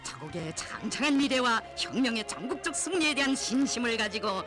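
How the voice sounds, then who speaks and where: Casting: male narrator, North Korean accent, extremely high voice, reverent declamatory propaganda read over clear music. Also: sing-song, fairly quick. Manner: reverent, solemn, emotive declamation. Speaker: documentary narrator. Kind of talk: scripted propaganda film narration.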